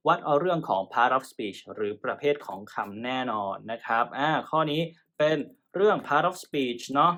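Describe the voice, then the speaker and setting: A young man teaching TOEIC grammar in Thai, explaining patiently and often checking in with his listeners, slowing down to spell and pronounce English terms. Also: mid-range voice, expressive, a bit bright. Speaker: TOEIC tutor. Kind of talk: exam-prep lesson.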